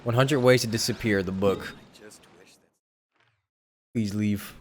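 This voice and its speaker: A man's voice: fairly low pitch, fairly even intonation, takes it slowly, a little hiss or hum. A man streaming a video game, tossing sarcastic, slangy quips at the characters. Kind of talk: reacting over a game on stream.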